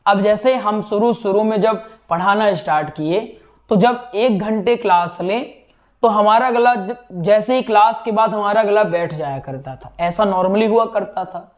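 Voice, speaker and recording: A man's voice: sits high, unhurried. A young man teaching would-be katha speakers in a chatty style, often checking in with his listeners. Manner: conversational, keeps checking in with "right?". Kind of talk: teaching talk to students.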